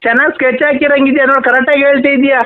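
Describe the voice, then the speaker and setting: Very high fast-talking rural man. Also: level tone, dry recording. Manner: fast, scheming, chatty. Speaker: comedy performer. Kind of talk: rural comedy dialogue. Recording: dull lo-fi dry audio.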